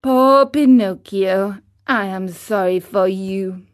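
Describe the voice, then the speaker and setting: A woman reading a storybook aloud, voicing a wise old male cricket who speaks in a calm, measured, moralizing way. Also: mid-range voice, natural voice.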